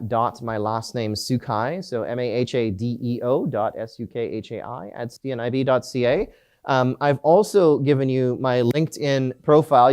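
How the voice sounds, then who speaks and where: A man's voice: medium pitch, a little mellow, clear, resonant tone. A middle-aged man from Canada giving a live conference talk, joking at his own expense and often restarting with fillers. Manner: self-deprecating joking, many fillers and restarts. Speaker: conference presenter.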